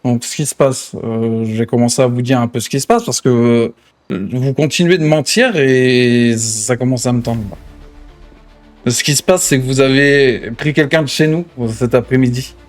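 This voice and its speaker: A man's voice: mid-range voice, moderate pace, soft background music. A man in improvised online role-play, questioning others like an interrogator, often stumbling and repeating himself. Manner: hesitant, repetitive, pressing questioner.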